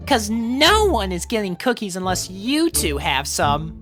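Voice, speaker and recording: A man's voice: high voice, big pitch swings, a little slow, a bit bright, faint music behind, pitched above the performer's own voice, heavily acted. A man voicing a plucky, self-assured young pegasus filly in a fan fiction storybook reading. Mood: cool, confident.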